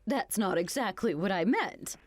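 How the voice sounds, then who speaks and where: A woman's voice: medium pitch, lively intonation, moderate pace, no room sound, close to an everyday voice. Woman voicing a sneering cruel mother-in-law. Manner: sneering, insulting, mocking. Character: cruel older mother-in-law, spiteful and greedy. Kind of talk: animated story voice acting.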